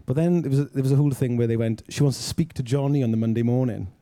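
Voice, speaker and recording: A man's voice: mid-range voice, racing, mellow, no echo. A man from Wales telling anecdotes as an interview guest. He laughs often and acts out the things people said to him. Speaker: film director guest. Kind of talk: anecdotal storytelling.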